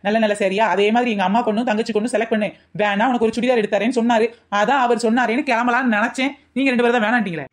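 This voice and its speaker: A woman voicing a clever, theatrical young daughter-in-law in a cartoon comedy, talking fast and scheming. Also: fairly high pitch, natural voice. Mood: busy. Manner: rapid, scheming, mock-tearful when flattering.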